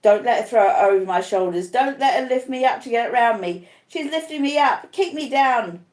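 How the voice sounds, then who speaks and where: A dying man voiced by a woman reader raves in terror of a ghost. The pitch is raised and the pleas come in panicked cries, as in a dramatic audiobook, recorded in an echoing room. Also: animated, normal speed, darkish tone, close to an everyday voice. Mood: terrified. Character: terrified, raving dying man, haunted by a ghost. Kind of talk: audiobook character acting.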